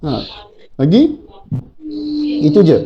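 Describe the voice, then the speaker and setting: A man's voice: on the high side, expressive, takes it slowly, muffled recording, soft background music. A man with a Malaysian accent teaching a primary school class online, encouraging the pupils and often repeating his praise.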